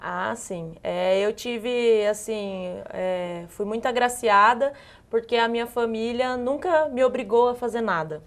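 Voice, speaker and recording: A young woman from Brazil with a northern Paraná accent, a handball player answering interview questions in a soft, chatty way. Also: fairly high pitch, measured pace. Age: young adult. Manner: soft-spoken, chatty, laughs easily. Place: TV studio.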